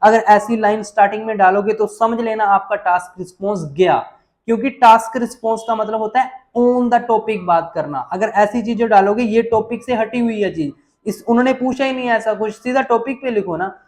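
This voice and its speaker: A man's voice: high-pitched, a little mellow. A man teaching exam essay writing, walking students through examples and repeating his warnings with emphasis. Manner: emphatic, repeats warnings, addresses viewers as kids. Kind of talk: explaining on-screen examples to students.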